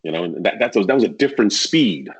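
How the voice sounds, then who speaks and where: A man with a low, husky voice talks candidly, his pitch swinging widely as he acts out his old sales pitches. The recording sounds muffled and lo-fi. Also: sing-song, quick pace. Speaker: podcast guest, real estate agent. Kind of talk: casual podcast conversation.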